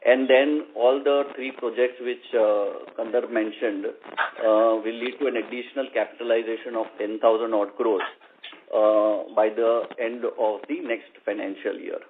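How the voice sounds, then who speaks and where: A male executive giving measured answers in short segments on a business conference call. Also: lowish voice, fairly even intonation. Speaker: company executive giving financial figures. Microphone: telephone conference line. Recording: tinny phone line with faint noise.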